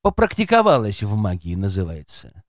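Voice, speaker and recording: A man's voice: on the low side, wildly swooping pitch, moderate pace, no room sound, studio quality. A man reading an audiobook aloud as scripted first-person narration, expressively voicing a woman narrator's inner thoughts.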